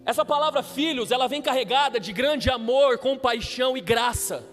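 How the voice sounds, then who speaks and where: A man's voice: extremely high pitch, normal speed, a bit bright. Man, pastor preaching, call-and-response, faint music, long hall reverb. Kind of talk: sermon. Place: church hall.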